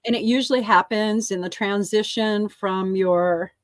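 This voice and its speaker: A woman's voice: mid-range voice, fairly even intonation, measured pace, dry recording, clean studio sound. Frank, laughing woman co-host. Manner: candid, swearing, laughs often. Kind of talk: casual chat.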